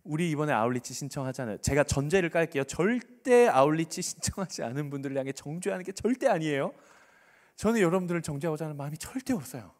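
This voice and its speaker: A male pastor preaching a sermon in a church, animated, repeating words for emphasis and sometimes dropping to a whisper. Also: fairly high pitch, fast. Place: church sanctuary. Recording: reverberant church hall.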